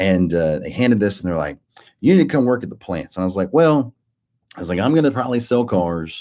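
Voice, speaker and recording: Recorded very cleanly against a silent background, a man with a Louisiana accent speaks in a dark, mellow tone with lively intonation. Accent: US South (Louisiana). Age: 30s. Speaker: YouTuber and car dealership worker. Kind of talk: live-stream Q&A. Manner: fast; hesitant, many fillers.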